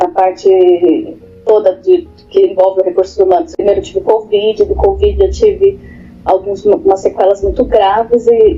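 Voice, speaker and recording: Fairly slow speech from a woman, background music underneath. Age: 40s. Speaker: HR professional, blind after stroke. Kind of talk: documentary interview testimony. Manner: halting, with self-corrections.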